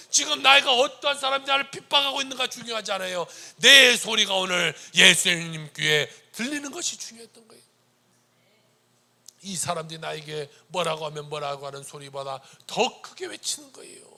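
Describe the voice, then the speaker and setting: A male pastor preaching a sermon, swinging between loud cries and hushed whispers. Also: high voice, creaky.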